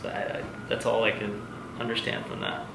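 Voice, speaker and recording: A man's voice: fairly low pitch, level tone, fairly quick. A young man from Texas with an American accent, chatting casually as a vlog co-host. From Texas, United States. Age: young adult. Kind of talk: casual chat. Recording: echoey room with clear background noise.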